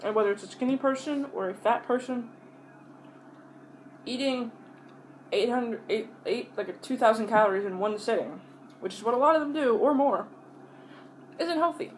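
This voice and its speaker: A woman vlogger rambling casually to her viewers while she eats, pausing to chew between bites, with blunt, sweary talk. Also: fairly high pitch, slight background noise, poor audio. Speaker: mukbang vlogger.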